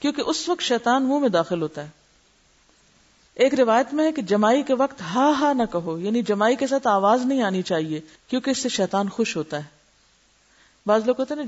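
A woman's voice: medium pitch, darkish tone. A woman giving a religious lecture as a teacher, explaining terms and asking her listeners rhetorical questions. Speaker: Islamic teacher. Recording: muffled lo-fi lecture recording.

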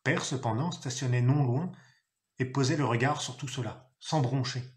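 A man reading a novel aloud, telling it expressively and acting out a gruff father's shouted lines. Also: mid-range voice, normal speed. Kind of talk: literary reading.

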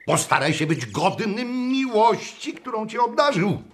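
An actor playing a pompous, strict and pedantic schoolteacher in a radio drama, lecturing callously. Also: male voice, high voice, big pitch swings, unhurried. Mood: scolding.

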